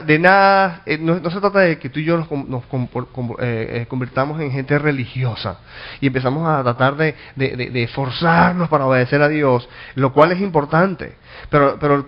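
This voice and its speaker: A man's voice: mid-range voice, highs cut off. A man preaching a sermon as a pastor, teaching earnestly, restarting and repeating words, and asking rhetorical questions that he answers himself. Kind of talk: sermon Bible study.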